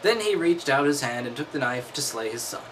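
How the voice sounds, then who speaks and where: A man's voice: mid-range voice, animated, fairly quick, a bit bright, slight background noise. A man reading aloud and breaking off into wry, mocking commentary. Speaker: host.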